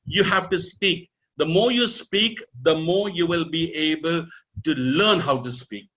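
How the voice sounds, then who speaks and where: A man's voice: a little slow, pushed and bright. A man in his fifties with an Indian English accent, giving an emphatic motivational talk on public speaking and mixing in Hindi words. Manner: emphatic, swings voice high and low, sprinkles Hindi words.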